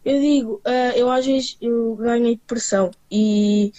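Woman fan, halting delivery, flat and mellow tone. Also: a little high, no echo, muffled recording. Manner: halting, hesitant. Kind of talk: personal account.

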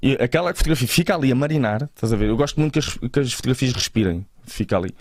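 A man's voice: medium pitch, animated, very fast, no echo, clean studio sound. A man from Portugal with a European Portuguese accent, talking casually and colloquially as a guest in an interview about his creative work.

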